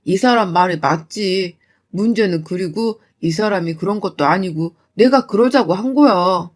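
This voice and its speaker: A woman's voice: mid-range voice, normal speed, pitched below the performer's own voice, lightly acted. Woman playing an exasperated young husband. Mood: pleading. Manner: pleading, defensive.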